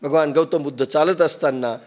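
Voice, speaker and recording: Speaking with a Marathi accent in a fairly high voice, a spiritual teacher gives a sermon. He tells stories, acts out quotes and draws on everyday examples to make his point, chanting scripture verses slowly.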